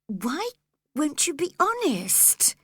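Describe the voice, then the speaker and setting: A woman's voice: sits high, wildly swooping pitch, slow pace, dry recording, clean studio sound, voice pushed up, full character voice. A woman voicing a spirited, impatient young woman who speaks earnestly. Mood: upset.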